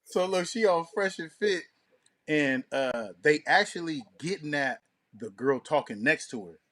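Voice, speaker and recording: A man's voice: on the high side, animated, measured pace, a bit bright, no room sound. A man co-hosting a podcast in casual, profane, slang-heavy talk, often acting out what people said. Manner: slangy and profane, acts out quotes. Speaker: podcast co-host. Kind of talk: casual chat.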